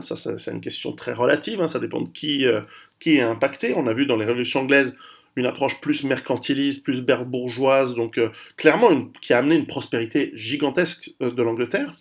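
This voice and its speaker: Male video host, gravelly and creaky, mid pitch, casual rambling history talk with frequent restarts. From Italian heritage. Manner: rambling, many restarts and fillers.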